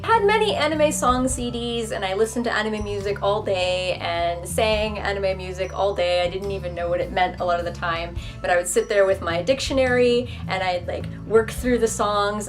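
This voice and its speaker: A young woman talking straight to the camera in a relaxed, chatty way, poking fun at herself and slipping into quick playful asides. Her voice sits at an ordinary middle pitch. Music plays clearly behind her throughout. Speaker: vlogger. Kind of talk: casual talk to camera.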